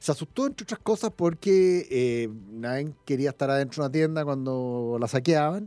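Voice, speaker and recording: A man with a Chilean accent, fairly high pitch and a dark, mellow tone, lively intonation at a moderate pace, in a very clean, dry, close recording with no echo and a silent background. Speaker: financial market commentator. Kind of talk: casual chat.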